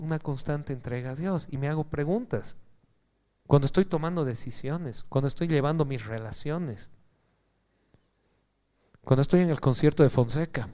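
High, smooth-voiced man preaching. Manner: animated and joking, swinging from loud to hushed. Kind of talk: sermon.

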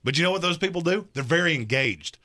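Thirties male sports radio host, argumentative, bright and animated. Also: a little high, quick pace. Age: 30s. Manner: emphatic, argumentative.

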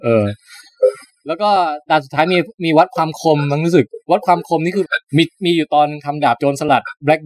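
A podcast host chatting casually, animated storytelling with crude slang. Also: male voice, a little high, dry recording, clean studio sound. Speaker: podcast host reviewing shows. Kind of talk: casual chat.

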